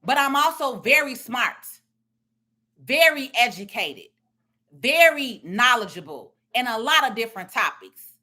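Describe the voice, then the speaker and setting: A middle-aged woman with a loud voice and a confident, blunt way of talking, giving social media commentary as a tax and business strategist. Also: fairly high pitch, sing-song, unhurried, husky. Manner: confident, emphatic, plain-spoken.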